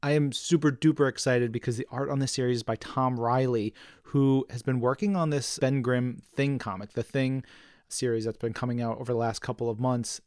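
A man co-hosting a chat show about comics, excitable and full of slang. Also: medium pitch, no room sound, clean studio sound. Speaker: co-host. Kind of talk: casual chat.

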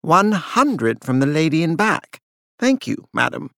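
A man's voice: a little high, big pitch swings, a little slow, gravelly, fairly bright tone, dry recording, clean studio sound, heavily acted. A man voicing a formal, unflappable Victorian auctioneer in a gothic audiobook, calling lots and bids in a clipped manner. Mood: brisk, formal.

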